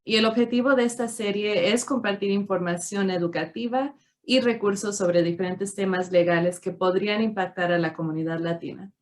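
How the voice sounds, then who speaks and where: Woman host, formal, measured delivery, interview, average pitch. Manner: formal, carefully scripted opening. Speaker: host and lawyer. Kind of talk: interview hosting. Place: online video interview.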